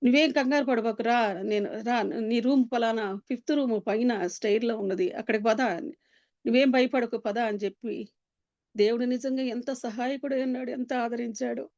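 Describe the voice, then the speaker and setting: Woman, heartfelt testimony speaker, fairly high pitch, earnest with halting pauses, dry lo-fi recording. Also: a little mellow, no echo. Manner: earnest, pleading, with long pauses and many fillers. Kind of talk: emotional personal testimony. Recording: dull, dry lo-fi sound.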